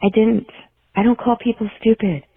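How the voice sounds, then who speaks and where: A woman's voice: a little high, fairly even intonation, normal speed, husky. A downcast woman from Temecula, California, leaving a casual voicemail over the phone. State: downcast, in a funk. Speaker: voicemail caller. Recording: tinny, narrow phone voicemail.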